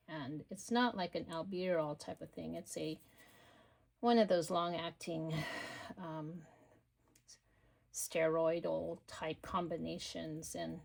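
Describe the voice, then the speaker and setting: A woman hosting a craft video, talking quietly and murmuring to herself as she works, a little sniffly. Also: fairly low pitch, gravelly. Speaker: craft channel host. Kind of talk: casual craft-along chat.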